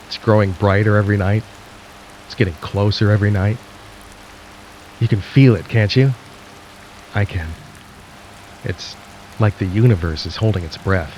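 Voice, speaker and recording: A man playing an anxious, ominous radio host in a radio drama, addressing listeners haltingly as the world ends. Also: fairly low pitch, a little mellow, dull audio, slight background noise, close to an everyday voice. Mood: ominous, uneasy. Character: anxious late-night radio host broadcasting through an apocalypse.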